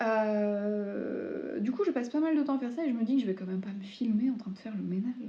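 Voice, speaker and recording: A woman with a fairly high pitch mumbles at a fairly quick pace, with hardly any pauses. Her pitch variation is ordinary, and there's noticeable background noise. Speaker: knitting podcaster. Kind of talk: casual chat. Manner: fast, mumbles words; speaking up, careful diction.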